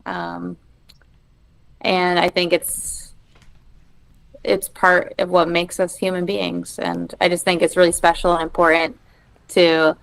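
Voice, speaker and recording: Smooth-voiced woman from Massachusetts. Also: on the low side. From Massachusetts, United States. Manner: thoughtful and hesitant, with many fillers. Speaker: podcast guest. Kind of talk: casual interview chat.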